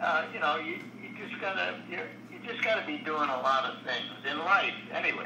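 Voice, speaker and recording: The speech moves at a moderate pace. Audible room echo and noticeable background noise are present. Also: man. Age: 80s+. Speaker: actor. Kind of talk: interview. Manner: halting.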